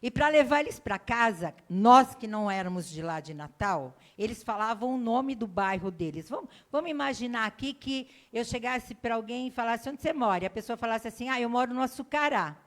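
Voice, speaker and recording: A woman's voice: a little high, lively intonation, a little fast, few pauses. A middle-aged woman missionary preaching in a church, telling a personal story and acting out the dialogue for the congregation. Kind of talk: sermon storytelling.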